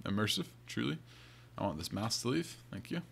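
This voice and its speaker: A man's voice: fairly low pitch, sing-song, fairly quick, gravelly, a bit bright, slightly rough. A man giving casual commentary on a video game he is playing, with wry, sarcastic asides. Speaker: let's player narrating and reading game dialogue aloud. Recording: game music behind the voice. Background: video game music.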